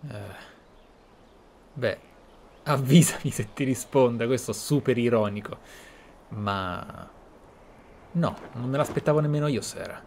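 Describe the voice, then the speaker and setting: A man's voice: mid-range voice, a little slow, long pauses, darkish tone. A man giving reflective, explanatory commentary as host of a role-play gameplay series. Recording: clear background game ambience noise. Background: game ambience.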